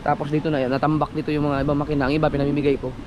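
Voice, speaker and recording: A man's voice: a little high, little pitch movement, very fast, muffled recording, background noise. A man talking casually about his boats and engines, bantering with neighbors. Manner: chatty, playful teasing with a child. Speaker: fisherman vlogger. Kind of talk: casual vlog chat. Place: outdoors by the sea.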